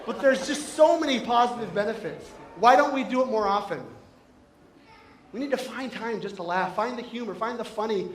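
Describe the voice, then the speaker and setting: A man delivers a humorous motivational talk to a live audience in an event hall, his voice sitting high for a man. He is playful and keeps slipping into exaggerated comic voices. The room is echoey, with faint noise in the background. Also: moderate pace. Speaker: motivational speaker.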